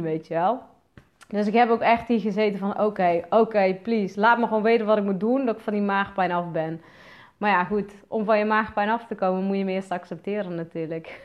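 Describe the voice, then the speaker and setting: A talkative woman with a Brabant Dutch accent chats loosely through a livestream, leaning on fillers and tossing in casual swears. Her pitch sits in a middle range. The sound is a little dull and lo-fi, as from a webcam mic. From Netherlands, North Brabant. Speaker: business coach and podcaster.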